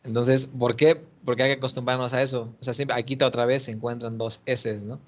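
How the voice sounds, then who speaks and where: Male English tutor, mid pitch, patient and explanatory, on a muffled video call. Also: level tone. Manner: patient, explanatory, models pronunciation slowly. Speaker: English teacher. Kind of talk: one-on-one online English lesson.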